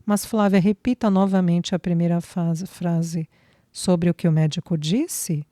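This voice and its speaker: A young man in love, pleading and shaken with emotion in an audiobook, as a female narrator reads his part. Low, mellow, dry close sound. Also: steady tone, a little slow, dry recording, natural voice. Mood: moved, pleading. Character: loving young man, moved to tears.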